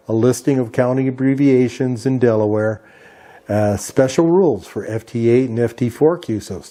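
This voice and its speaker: A man's voice: mid-range voice, mellow. A man hosting an explanatory hobby video, methodically going through details item by item as if from notes. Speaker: amateur radio video host.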